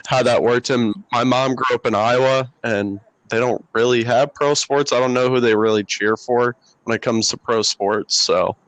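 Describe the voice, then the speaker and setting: A man's voice: medium pitch, steady tone, moderate pace, few pauses, fairly bright tone, no echo, low-quality recording. An American man in his twenties from the Midwest, chatting casually as a podcast guest. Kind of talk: casual chat. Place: basement.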